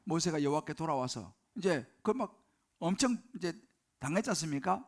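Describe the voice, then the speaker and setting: A man preaching a Sunday sermon from a church pulpit, his voice high and edged with fry. He presses the congregation with rhetorical questions and emphatic turns. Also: lively intonation, normal speed. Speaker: senior pastor. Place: church sanctuary during service.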